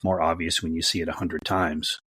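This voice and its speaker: Co-host, man, deep husky voice, dry sound, casual conversational delivery. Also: level tone, brisk, bright, forceful tone, dry recording. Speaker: podcast co-host. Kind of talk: casual chat.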